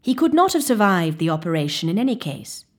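A woman reading the part of a kindly, calm senior physician, an older man who speaks soothingly. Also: lowish voice, fairly quick, breathy edge. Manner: kind, soothing.

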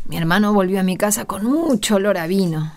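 A woman's voice: medium pitch, a little fast, a little mellow, natural voice. An actress playing a village woman who tells her memories in a radio drama, intimate and reflective. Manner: intimate, reflective, repeats phrases. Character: older Galilean village woman recalling her hard youth. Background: string music.

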